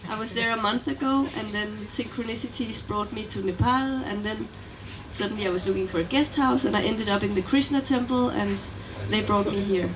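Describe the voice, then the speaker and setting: A young woman from Denmark speaks from the audience in a friendly, chatty way. Her voice is mid-pitched and sits far from the mic, with clear room noise around it. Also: brisk, few pauses. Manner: friendly, chatty, with light laughs. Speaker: audience member asking a question.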